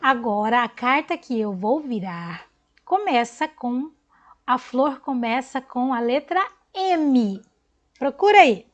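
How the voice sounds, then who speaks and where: A woman teacher giving a recorded online class to young children, slowly spelling out letters and praising answers. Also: high voice, lively intonation, muffled recording. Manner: slow, encouraging, spells out letters and counts syllables.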